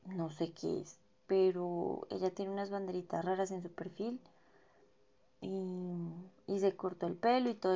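A woman's voice: fairly low pitch, creaky, dark tone, lo-fi sound. A young woman from Bogotá, Colombia, with a Bogotá accent and a dry throat, chatting to her followers in a gossipy, self-mocking way full of slang. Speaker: vlogger. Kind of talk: casual chatty monologue.

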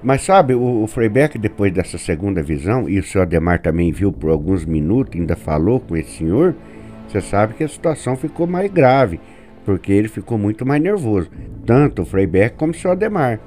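Man telling a spooky story, lively pitch. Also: a little fast, soft background music. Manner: conversational, asks listener "sabe?". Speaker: host and storyteller.

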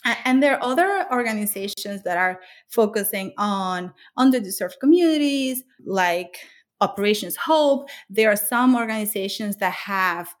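A middle-aged woman from the Dominican Republic speaks in a relaxed interview at a mid pitch. Her delivery is earnest and halting, full of restarts and small fillers as she works toward each point. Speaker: author and interviewee. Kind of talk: conversational interview.

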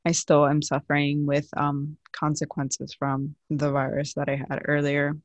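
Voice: medium pitch, completely flat delivery, a little slow, dry recording. A young adult podcast co-host in casual, earnest chat who peppers nearly every phrase with "like". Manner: chatty, earnest, fills speech with "like". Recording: dull, dry lo-fi sound.

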